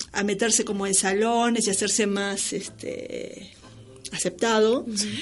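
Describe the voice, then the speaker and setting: The recording of a woman speaking carries audible room echo. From Argentina. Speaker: travel blogger. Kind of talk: casual interview.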